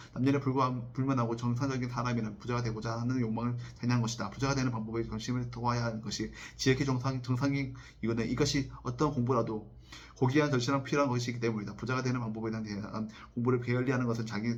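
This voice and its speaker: Audible room echo surrounds a man talking at a very fast pace, his medium pitch delivered in a monotone, flat way. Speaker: reading practice vlogger. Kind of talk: casual reflection; reading aloud. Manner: halting, many self-corrections.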